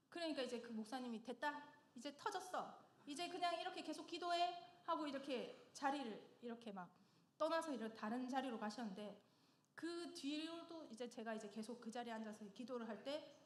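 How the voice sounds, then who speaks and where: A middle-aged woman giving a personal testimony in church, telling her story with lively humor and frequent laughter. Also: high voice. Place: church sanctuary. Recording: echoey church hall.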